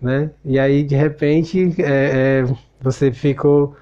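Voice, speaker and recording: A calm, serious older mentor, as a man telling the story puts him on, speaking with a Brazilian accent in a measured, introspective way. His pitch sits in the middle range, and the recording is a little dull and lo-fi. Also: lightly acted. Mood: gently ironic. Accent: Brazilian Portuguese.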